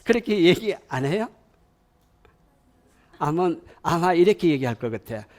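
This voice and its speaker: A man with a Gyeongsang accent lectures parents with real animation. His fairly high voice moves up and down a lot. He keeps asking the audience questions and has them repeat lines after him. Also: very animated, measured pace, a little mellow.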